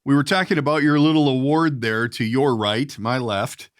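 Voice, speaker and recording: A man's voice: medium pitch, steady tone, moderate pace, clear, resonant tone, no echo, clean studio sound. A middle-aged man hosting a casual comedy podcast, joking and conversational as he interviews. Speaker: podcast host.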